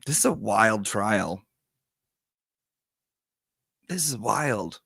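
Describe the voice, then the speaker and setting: A man's voice: fairly low pitch, expressive, very slow, vocal fry, bright, forceful tone, slightly rough, no echo, studio quality. A man with whistling s sounds, chatting casually as a livestream host and reading out viewer messages.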